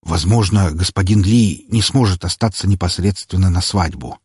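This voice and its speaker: A man's voice: deep voice, normal speed, slightly rough, dry recording, studio quality. A man reading as a composed corporate executive. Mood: diplomatic. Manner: calm, diplomatic.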